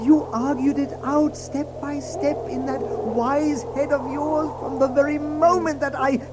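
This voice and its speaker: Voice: high voice, steady tone, measured pace, heavy background noise. An actor playing a grumbling but good-natured mole in a children's audio drama, emphatic in delivery. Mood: admiring.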